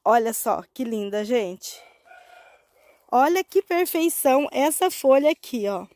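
A Brazilian succulent grower in her fifties, slightly hoarse from a cold, chats in a casual plant-care vlog from a shaded plant nursery, speaking into a wired lapel mic. Her voice sits high for a woman and has a darkish tone, lively intonation and an unhurried pace. She's affectionate and informal, full of tag questions and diminutives, and the sound is clean studio quality with no echo.

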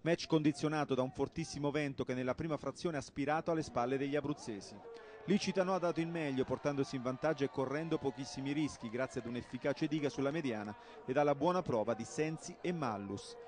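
A man narrating a football match report in a brisk, emphatic scripted voice-over. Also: mid-range voice, a little mellow. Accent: Italian. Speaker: sports reporter.

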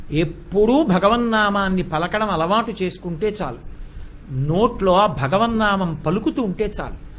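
A man's voice: high-pitched, slight background noise. A man giving a religious discourse, breaking into sung devotional refrains as he tells his points. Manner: sings bhajan refrains mid-talk, animated storytelling. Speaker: spiritual speaker.

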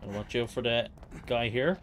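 A man streams a game with casual, off-the-cuff commentary. His voice sits at a medium pitch, with faint game ambience behind it. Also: unhurried, a bit bright, a little hiss or hum. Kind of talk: casual live gameplay commentary.

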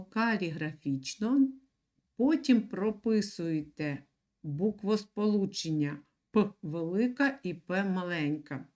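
A woman teaching young children in an online lesson, speaking slowly and clearly and repeating words for them to write down. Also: fairly low pitch, a little mellow. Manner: patient, slow and clear, repeats words for dictation. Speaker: primary school teacher.

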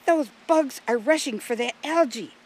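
A man's voice: extremely high pitch, moderate pace, voice pushed up. A man voicing a curious, earnest young girl in a children's storybook. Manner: earnest, inquisitive.

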